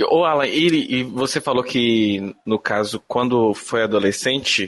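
Recorded dry and close with no echo, a normal speaking voice moves through ordinary pitch variation. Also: man. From northern Minas Gerais, Brazil. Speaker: podcast co-host. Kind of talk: casual chat.

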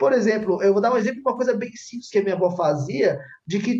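The speech comes at a very fast pace. Pitch variation is ordinary. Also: man. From Bragança Paulista, São Paulo state, Brazil. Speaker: chef. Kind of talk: casual chat.

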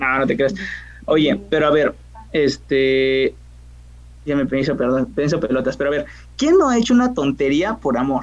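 The man talks at a moderate pace. He leaves long, frequent pauses. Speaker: podcast co-host. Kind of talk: casual chat.

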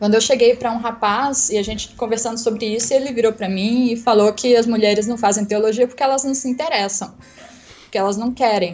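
Noticeable background noise runs under a woman speaking at a fairly high pitch. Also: fairly even intonation, fairly quick pace. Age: 20s. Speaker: theologian and philosophy graduate, YouTuber. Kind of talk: interview conversation.

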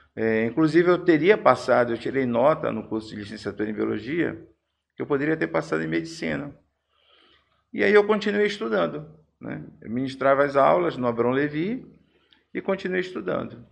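The voice moves at a moderate pace with long, frequent pauses and very wide pitch swings. The background is quiet. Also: man, medium pitch for a man. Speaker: teacher. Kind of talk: casual chat.

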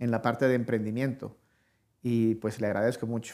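A man's voice with a dark, mellow tone. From Colombia, Cartagena. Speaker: former business office director, dentist by training. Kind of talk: interview.

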